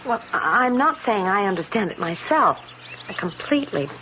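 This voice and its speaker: An actress playing an earnest, anxious disabled young woman in a radio drama, speaking haltingly with nervous repetitions. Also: medium pitch, sing-song, lightly acted. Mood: nervous, evasive. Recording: dull, noisy vintage radio drama recording.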